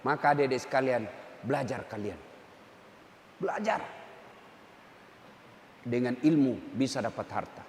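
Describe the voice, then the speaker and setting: A man's voice: mid-range voice, measured pace, pauses often. A man, preaching a humorous sermon and acting out characters in his stories. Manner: joking storyteller, acts out characters. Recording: echoey hall, faint noise.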